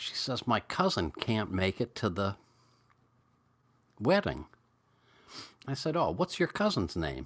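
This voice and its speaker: A man with a New England accent speaks with vocal fry and very wide pitch swings, pausing long and often. The recording is very clean, with a silent background. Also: fairly low pitch for a man, fairly slow pace. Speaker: pipe smoking livestream host. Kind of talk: casual livestream chat. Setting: live stream.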